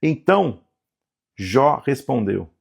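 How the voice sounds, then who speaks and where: Gravelly, husky preacher man. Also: medium pitch, big pitch swings, takes it slowly. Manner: emotional, exclaiming, voicing God's words with rising emphasis. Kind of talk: Bible reading and sermon.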